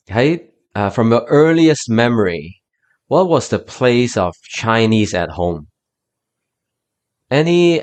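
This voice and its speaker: Low-voiced man hosting a bilingual podcast. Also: clear, resonant tone. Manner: mixes Cantonese and English, halting with many fillers. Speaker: podcast host. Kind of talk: casual bilingual podcast chat.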